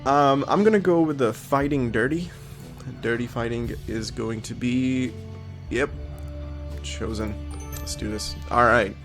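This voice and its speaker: A man's voice: medium pitch, unhurried, fairly bright tone, soft background music. Sniffly man thinking aloud over a game. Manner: thinks aloud, reads game text, many ums. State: sniffly with a cold. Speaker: gaming video host. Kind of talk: casual let's-play commentary.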